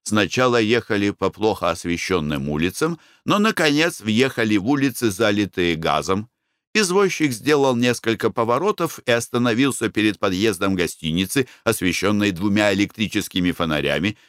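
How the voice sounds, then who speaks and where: A man reading a novel aloud as an audiobook narrator, measured and expressive. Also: fairly low pitch, smooth, no room sound, clean studio sound. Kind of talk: scripted narration.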